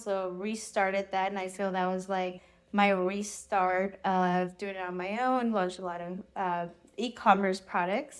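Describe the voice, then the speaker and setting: Using an unremarkable speaking voice, a woman keeps a medium pitch and a moderate pace. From US, Arizona (Mexican-born, moved at four). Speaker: entrepreneur. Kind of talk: podcast interview.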